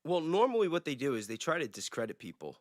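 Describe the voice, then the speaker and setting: A man with a sing-song voice on the high side talks quickly on a livestream, recorded in clean studio sound without echo. A guest who calls himself an independent investigator, he speculates casually and informally, using slang.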